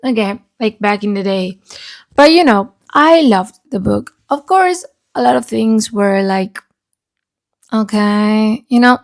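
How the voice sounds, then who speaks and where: A woman's voice: medium pitch, animated, slow pace, creaky. A woman giving a casual, chatty book review in an informal, sweary way, her voice grainy and unsteady as she recovers. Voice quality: unstable, grainy voice. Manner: informal, sweary, often checks in with "okay?". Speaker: book reviewer, video channel host.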